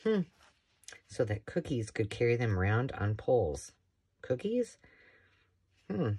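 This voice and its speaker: A woman's voice: a bass voice, very animated, measured pace, dark tone, a little hiss or hum. A woman hosting a casual show-and-tell of thrifted books, chatty and rambling with enthusiastic asides, filmed indoors at a craft table. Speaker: craft channel host.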